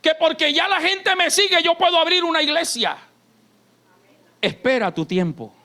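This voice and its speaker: Bright-voiced Colombian pastor preaching. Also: male voice, very high-pitched, steady tone, brisk. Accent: Colombian Caribbean Spanish. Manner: impassioned preaching, swinging from soft to shouted. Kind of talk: sermon. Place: church.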